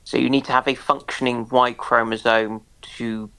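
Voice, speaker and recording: A man explaining things in a casual discussion, halting and careful as he searches for his words. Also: medium pitch, level tone, bright, forceful tone, smooth.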